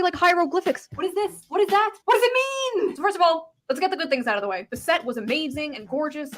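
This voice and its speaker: High-voiced sarcastic woman commentator. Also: a little hiss or hum. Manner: sarcastic, deadpan asides. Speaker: video essayist. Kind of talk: scripted commentary video. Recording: played from an online video.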